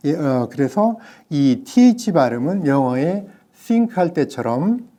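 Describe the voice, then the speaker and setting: Slow, deliberate Korean male professor. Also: a little high, sing-song, mellow. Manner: slow, deliberate, many hesitations. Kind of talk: recorded lecture on pronunciation.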